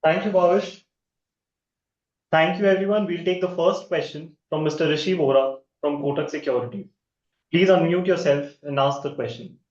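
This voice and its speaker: A male moderator announces the next questioner in a crisp, formal manner. His voice is fairly high-pitched for a man. It comes through a dull, echoey conference line. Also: fairly even intonation, moderate pace, darkish tone. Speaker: call moderator.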